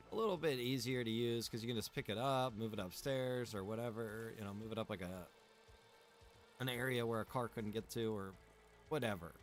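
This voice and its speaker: A man with a slightly high-pitched voice hosts a gaming livestream, thinking aloud in a casual, chatty way. He speaks into a close microphone, with faint music behind him. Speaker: livestream host, gamer.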